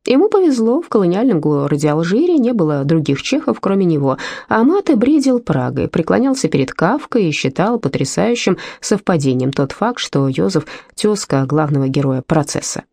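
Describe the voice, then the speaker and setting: Expressive woman reading a novel. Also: on the low side, dry recording. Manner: measured, expressive reading with lively intonation. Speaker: audiobook reader. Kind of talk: literary audiobook narration.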